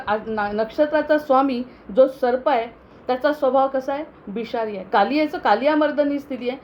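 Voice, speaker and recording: A woman giving a spiritual discourse, chanting verses slowly and then explaining them in a measured, self-correcting way. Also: high-pitched, lo-fi sound, slight background noise.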